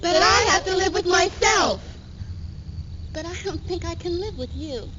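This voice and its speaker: A woman's voice: very high-pitched, normal speed. A woman playing a fervent, idealistic woman in a readers theater performance, with emphatic declamation. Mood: troubled. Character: fervent, idealistic woman, one self of divided woman. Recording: dull, noisy 1970s archive tape.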